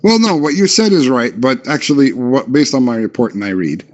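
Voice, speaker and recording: A man's voice: medium pitch, expressive, a little fast. A man banters on a comedy show, spinning absurd stories as if reading an official report. His voice sits in a middle range, and the recording sounds dull and lo-fi. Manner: mock-serious storytelling. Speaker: co-host.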